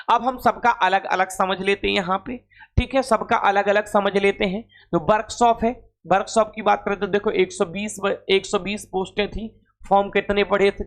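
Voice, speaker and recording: A man's voice: high-pitched, fairly bright tone. A man teaching an informal exam-prep class, repeating phrases and asking questions that he then answers himself.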